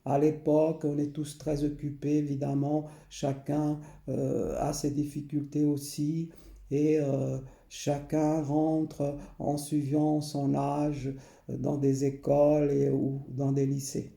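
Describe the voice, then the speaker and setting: A man, recalling his past slowly and hesitantly, often pausing and repeating himself. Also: fairly high pitch, monotone, vocal fry, mellow, reverberant. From Portugal. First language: Portuguese. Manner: hesitant, many pauses and repeated phrases. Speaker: memoir narrator. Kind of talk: slow personal recollection.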